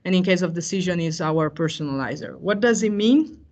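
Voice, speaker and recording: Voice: medium pitch, animated, brisk, a little mellow. Hesitant tech presenter. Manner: hesitant, frequent fillers and self-corrections. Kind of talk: technical talk on cloud AI services.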